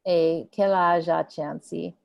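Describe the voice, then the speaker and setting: A woman leads an online French class, switching between French and English. She speaks at an unhurried pace and sounds encouraging. Her voice comes through a video call. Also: on the low side, steady tone, vocal fry, muffled recording. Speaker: French teacher.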